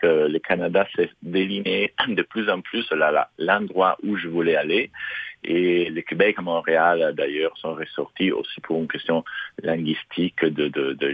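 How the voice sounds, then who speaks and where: Man from Italy, middle-aged, French as a second language, very deep, hesitant, thin phone-like sound. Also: no room sound. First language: Italian. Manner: hesitant, many fillers and restarts. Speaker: guest. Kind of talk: conversational interview answers. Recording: dry, phone-like narrow sound.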